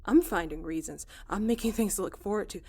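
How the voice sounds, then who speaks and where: A woman's voice: a little fast, gravelly, dark tone, slightly rough. A woman playing a weary, stubborn young woman spacefarer in a science fiction audio drama, blunt and sardonic. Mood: defiant, pleading. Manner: blunt, low-key.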